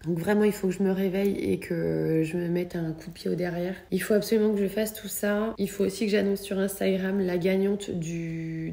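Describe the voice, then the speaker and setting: Fairly low-pitched, husky, creaky and dark, a woman in her thirties narrates a casual home cleaning vlog, breaking down her chores step by step in a chatty, self-encouraging way. The setting is a spacious modern house with echoey acoustics and quiet music playing.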